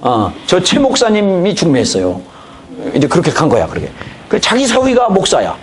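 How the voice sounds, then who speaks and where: Lively-voiced pastor in his fifties. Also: high-pitched, normal speed. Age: 50s. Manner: folksy storytelling, acts out dialogue. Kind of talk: lecture on evangelism.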